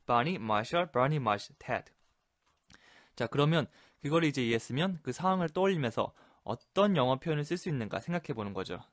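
A man teaching English expressions in a relaxed explanatory lesson, repeating phrases slowly for practice. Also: medium pitch, no room sound, studio quality. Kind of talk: Korean-language English lesson explaining sitcom lines.

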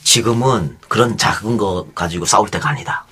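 A man's voice: fairly low pitch, moderate pace, a bit bright, husky. A man hosting a talk show in casual chat, with a loose, blunt, colloquial way of talking.

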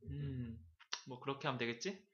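A man's voice: mid-range voice, fairly even intonation, moderate pace, a bit bright, lo-fi sound. A man coaching English in a casual chat, teasing and prompting his partner.

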